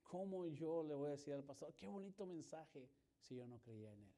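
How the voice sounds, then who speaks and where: Animated, warm-voiced pastor. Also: male voice, a little high, normal speed. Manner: animated, swings from loud emphasis to hushed storytelling; acts out quoted dialogue in his telling. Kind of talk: sermon.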